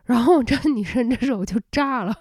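A young woman from Shanghai, podcast host, telling a story in an exasperated late-night rant, acting out quoted voices with rising pitch, recorded close at home in bed. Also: brisk, darkish tone, husky, no room sound. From Shanghai, China. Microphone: close home recording, unedited.

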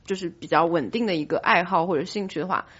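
A woman's voice: on the low side, fast, a bit bright, slightly rough, muffled recording. A woman co-hosting a podcast, talking in a casual group-chat style. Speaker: podcast co-host.

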